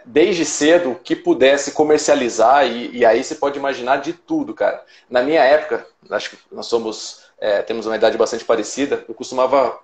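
A man's voice: medium pitch, roomy sound. A man in his forties telling his life story in a personal, reflective way, with many restarts. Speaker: guest trader. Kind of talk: casual storytelling.

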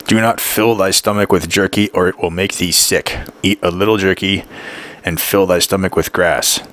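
A man's voice: deep voice, steady tone, normal speed, a bit bright. A man voicing a stern, anxious middle-aged mother who gives firm, urgent orders, in an audiobook reading. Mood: commanding.

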